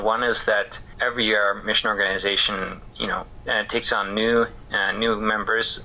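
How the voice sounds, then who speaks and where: A man shares his story as an interview guest, pausing often and restarting his thoughts. His voice is low-ish yet strikingly bright and forward. He sounds casual and searching rather than polished. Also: lo-fi sound. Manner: thoughtful, halting, many fillers. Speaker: interview guest, missions care worker. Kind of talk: casual reflective interview talk.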